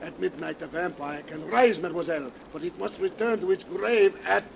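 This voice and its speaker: An actor playing a grim, relentless older doctor who hunts vampires, declaiming solemnly in 1930s radio melodrama style. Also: male voice, high voice, a little fast, vocal fry, poor audio. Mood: solemn, ominous. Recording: hissy 1930s radio recording.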